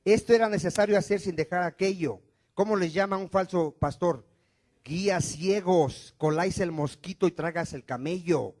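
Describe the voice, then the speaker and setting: A male pastor preaching a sermon in a church. He asks the congregation questions and answers them himself, loud on one line and dropping to a hush on the next. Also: high voice, normal speed. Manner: swings from loud emphatic lines to dropped, quiet endings.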